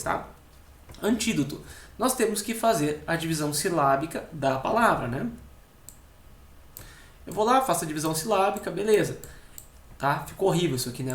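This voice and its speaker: In an echoey room, a man who teaches Portuguese for civil service exams walks through an exam-prep lesson step by step with a southern Brazilian accent from Rio Grande do Sul. His voice is high; he slowly repeats key words for emphasis and adds a quick check-in question to nearly every phrase.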